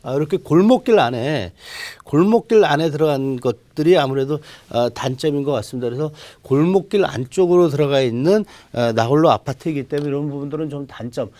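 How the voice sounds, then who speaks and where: A man speaking as a real estate expert on a TV advice show, explaining off the cuff in polite formal speech, halting and repeating his phrases. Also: on the high side, darkish tone. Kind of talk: unscripted expert consultation.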